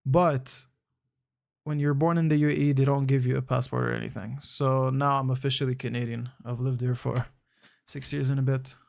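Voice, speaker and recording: A man's voice: medium pitch, fairly even intonation, moderate pace, vocal fry, a little mellow. A young man from the United Arab Emirates chatting casually with viewers on a live stream, easygoing and slangy, thinking aloud with frequent restarts. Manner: laid-back, slangy, calls chatters bro.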